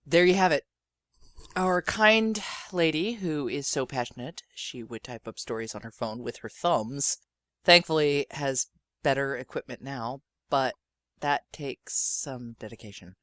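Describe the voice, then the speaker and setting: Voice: mid-range voice, a little slow, fairly bright tone, no room sound, clean studio sound. A podcast host giving spoken commentary directly to listeners.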